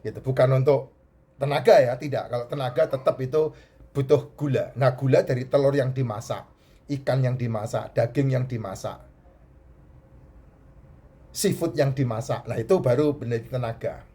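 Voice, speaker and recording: A man's voice: mid-range voice, normal speed, long pauses, warm tone, husky. Chatty man with a stuffy nasal voice. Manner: chatty, repeats points, restarts words. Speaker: host giving health advice. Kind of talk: casual health talk to camera.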